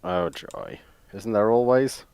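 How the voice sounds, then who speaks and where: A man's voice: lowish voice, expressive, slow pace, gravelly, crowd noise. A man chatting casually as a co-host on a livestream, in short conversational remarks. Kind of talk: casual chat.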